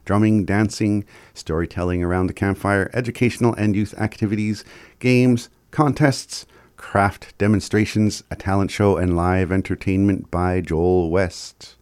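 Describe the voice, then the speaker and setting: Guy w indigenous canadian rez accent doing community notices, lowish voice, really dry sound, bit informal. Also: a little mellow, no room sound. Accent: Indigenous Canadian reservation accent. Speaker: community announcer. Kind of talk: reading scripted community announcements.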